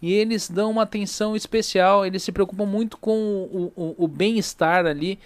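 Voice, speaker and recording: A man hosts a podcast from a small studio, talking in a fairly high voice. The sound is dry and close, with no room around it. He keeps the chat loose and joking, and he checks in with the listener all the time. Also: steady tone, a little fast, no room sound. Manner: chatty, jokey, fills with "né?" and "tá entendendo?". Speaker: podcast host. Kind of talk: casual podcast chat with sponsor reads.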